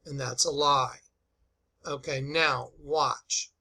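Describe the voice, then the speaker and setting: A man's voice: mid-range voice, fairly even intonation, slow pace, creaky, pushed and bright. A man giving informal commentary on clips, speaking in an emphatic, repetitive and incredulous way. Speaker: online video commentator. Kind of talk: informal opinion commentary over played clips.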